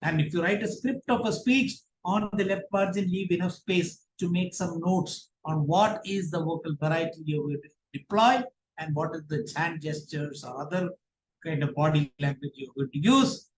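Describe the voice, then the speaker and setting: High-pitched Indian man teaching, roomy sound. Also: normal speed, a little hiss or hum. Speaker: public speaking trainer. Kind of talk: workshop teaching. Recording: roomy, echoing voice pickup.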